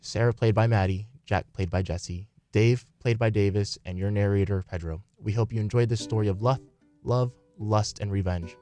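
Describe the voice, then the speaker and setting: A man's voice: fairly low pitch, fairly even intonation, normal speed, mellow, soft background music. A man reading scripted story narration as the narrator of a radio play.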